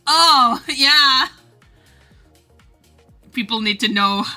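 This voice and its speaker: A woman with a strikingly bright, forward voice that sits a little high. She rambles casually to a livestream chat, teasing and giggly as she goes. Soft music plays behind her. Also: expressive, extremely slow. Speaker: streamer drawing game art live.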